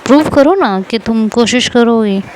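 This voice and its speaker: A woman's voice: on the high side, lively intonation, a little slow, a little mellow, slight background noise, low-quality recording. A woman voicing a young woman who consoles her best friend with coaxing affection. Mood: insistent. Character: young woman friend, teasing then tender, confesses love.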